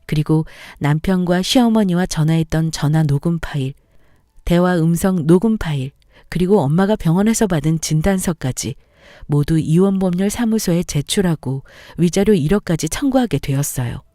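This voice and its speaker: A woman narrating a scripted first-person story in an even, confessional way. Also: lowish voice, normal speed, no room sound, studio quality.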